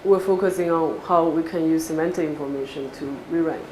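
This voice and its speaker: A woman with a Cantonese accent answers technical questions in a lecture hall. Her replies are quick and direct, and she explains with examples. The room is echoey, with a faint hum underneath. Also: deep voice, darkish tone. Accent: Cantonese-accented English. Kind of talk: academic Q&A after a talk.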